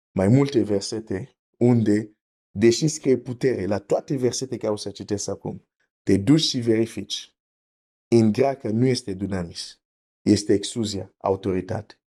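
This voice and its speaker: A man's voice: lowish voice, dark tone. A man preaching a teaching sermon, explaining carefully, repeating his points and reading scripture aloud.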